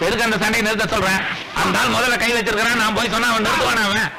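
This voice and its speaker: An actor playing a scheming rustic uncle who blusters and wheedles, in film dialogue over music. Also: male voice, high-pitched, level tone, very fast, gravelly, rough recording. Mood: arguing.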